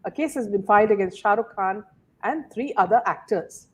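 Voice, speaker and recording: A woman's voice: medium pitch, moderate pace, husky. Female host, casual commentary, heavy filler words. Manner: many fillers and "you know"s.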